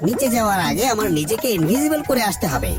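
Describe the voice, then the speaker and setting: A woman's voice: medium pitch, big pitch swings, quick pace, natural voice. A woman voicing a scheming male alien in a cartoon dub, muttering to himself as he sizes up people to research. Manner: muttering "hmm" while scheming. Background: music.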